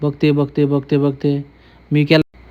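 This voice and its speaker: A young man talks through his vlog in a chatty, teasing way, repeating himself as he goes. His voice sits a little high for a man. The audio is dull and lo-fi, as if from a phone. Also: completely flat delivery, measured pace, clean tone. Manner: chatty, teasing, repetitive running commentary. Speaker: vlogger. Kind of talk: casual vlog commentary.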